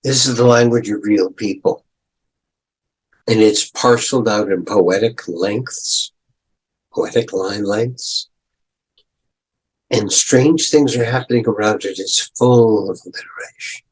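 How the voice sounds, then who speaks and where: An older male professor giving a close reading of a poem, reciting lines dramatically and breaking into sudden high exclamations. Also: takes it slowly, pauses often, slightly rough, poor audio.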